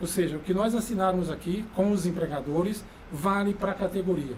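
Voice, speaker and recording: A man speaks at a moderate pace with fairly even intonation. His pitch is high. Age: 60s. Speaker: union president and podcast host. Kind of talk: podcast discussion. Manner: halting, many fillers and restarts.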